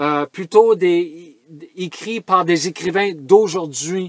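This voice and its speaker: At a very slow pace, the voice carries ordinary pitch variation in a dry, close sound with no echo. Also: man. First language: English (speaking French). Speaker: missionary teacher. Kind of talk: guided tour video. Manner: halting.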